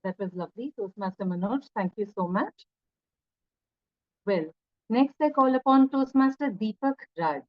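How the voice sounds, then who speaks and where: A woman's voice: medium pitch, expressive, normal speed, no echo, muffled recording. A woman politely hosts a speaking club session, introducing each speaker and topic. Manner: polite, formal, announcing. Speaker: session host calling on speakers. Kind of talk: hosting an online speaking club.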